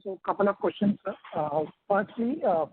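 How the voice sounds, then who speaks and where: A man's voice: high voice, moderate pace, slight background noise. A man, calling in over the phone as an analyst and methodically working through numbered questions on an earnings call. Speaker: analyst caller. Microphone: phone handset. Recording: dry, narrow telephone line.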